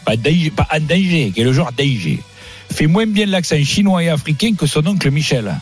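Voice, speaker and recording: A teasing man hosts a radio football quiz, his voice set high and bouncing all over the place. He jumps into falsetto for laughs. Soft music plays behind him. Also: expressive, a little fast, slightly rough. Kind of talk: playful radio quiz hosting.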